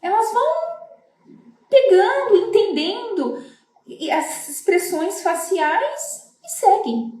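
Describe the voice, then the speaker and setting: A middle-aged woman with a high, mellow voice talks to parents in a casual, earnest way, explaining step by step and often checking that they follow. She comes from Brazil. The sound is echoey, as if recorded in an open room. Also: big pitch swings, takes it slowly. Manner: earnest, explanatory, with many "né?" tags. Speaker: floral therapist.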